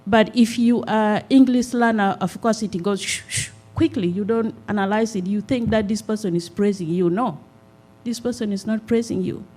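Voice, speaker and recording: A middle-aged woman from South Sudan, speaking at a town hall meeting on a handheld mic. She talks in an earnest, measured way, with many "uh" pauses. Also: mid-range voice, steady tone, darkish tone. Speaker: community nonprofit representative. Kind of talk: town hall public comment. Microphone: handheld microphone.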